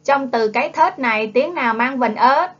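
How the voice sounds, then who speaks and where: A woman with a Southern Vietnamese accent, working as a primary school teacher, gives a coaxing phonics lesson and has young children repeat after her. She speaks at a moderate pace in a high-pitched, expressive voice with a breathy edge. The audio comes from a dull, lo-fi classroom video.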